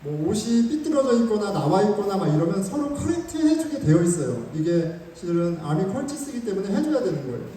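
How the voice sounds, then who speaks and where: Animated male pastor in echoey hall. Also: sits high, fairly quick, few pauses, slight background noise. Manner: animated storytelling with self-mocking humor. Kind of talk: sermon. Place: church sanctuary. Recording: echoey hall, mic far off.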